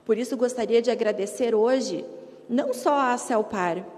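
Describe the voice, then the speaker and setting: An advocate speaks to a city council in a formal, emphatic speech, driving her points home with short, repeated rhetorical phrases. Her voice is a little high with a darkish tone at normal speed, and the council chamber adds echoey hall reverb.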